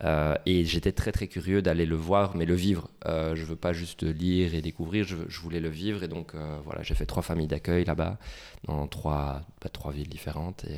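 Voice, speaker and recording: In a very clean recording with a silent background, a man with a very deep, low pitch speaks at a moderate pace with fairly even intonation. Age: 30s. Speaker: entrepreneur, startup platform CEO. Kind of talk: interview conversation. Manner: hesitant with frequent repetitions.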